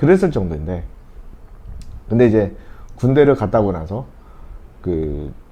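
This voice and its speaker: Lively intonation from a man with a fairly low pitch, at a moderate pace. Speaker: vlogger living abroad. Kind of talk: casual vlog monologue. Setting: indoors before staff arrive, morning. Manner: casual, hesitant fillers.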